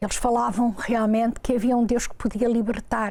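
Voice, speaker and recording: A woman speaks with a European Portuguese accent. Her pitch sits high. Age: 70s. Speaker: church member. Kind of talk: testimony.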